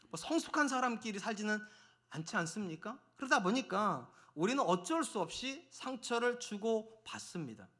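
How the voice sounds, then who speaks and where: Middle-aged pastor guy preaching, high voice, super lively, keeps acting out fights with his wife. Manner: animated, acts out quarrels with his wife. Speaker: senior pastor. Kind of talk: sermon. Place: church sanctuary.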